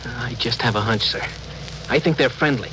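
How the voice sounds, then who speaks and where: A man's voice: mid-range voice, moderate pace, noisy background, natural voice. An actor playing an eager, earnest young male crewman in a 1950s radio drama, respectful toward his captain. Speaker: ship's officer.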